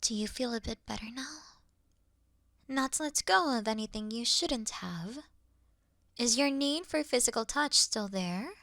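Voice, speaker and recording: A woman playing an awkward, officious moth girl in a sleep-aid ASMR roleplay, speaking softly and deliberately in a dry bedside murmur that slips into whispers. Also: fairly high pitch, expressive, dry recording. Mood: gentle, awkward. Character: awkward, officious young female moth monster offering comfort.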